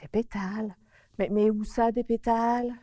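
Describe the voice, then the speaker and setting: A woman's voice: a little high, fairly even intonation, moderate pace, warm tone, dry recording, clean studio sound, long reverb tail, lightly acted. A woman voicing a fretful young woman with a flower on her nose, who exclaims and stammers while speaking to the children in a children's TV story. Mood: fretful flustered.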